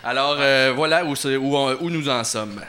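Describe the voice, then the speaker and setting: A man's voice: mid-range voice, normal speed, sharp tone. A man hosting a show and reading an interactive story aloud, hesitant with fillers between passages. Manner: hesitant, lots of filler, then theatrical reading. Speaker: host and story narrator.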